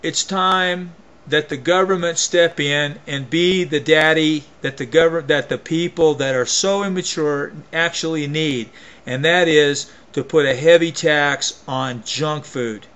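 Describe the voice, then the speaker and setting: Emphatic ranting man, slightly high voice. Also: measured pace, a bit bright, lo-fi sound. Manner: emphatic, repeats and restarts phrases, folksy. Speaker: vlogger. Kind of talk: opinion rant to camera.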